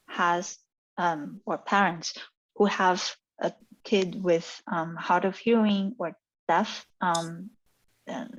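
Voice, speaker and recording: A woman from Taiwan with a Taiwanese accent, speaking casually and thoughtfully with halting, repeated phrases as she gives advice. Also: medium pitch. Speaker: scientist mentor being interviewed. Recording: dull, muffled lo-fi audio.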